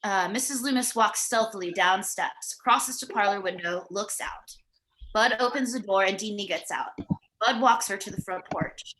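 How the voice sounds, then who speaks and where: A woman's voice: mid-range voice, normal speed, sharp tone, slight background noise, low-quality recording. A woman narrating a screenplay, reading out scene headings and stage directions for a table read. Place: remote virtual table read.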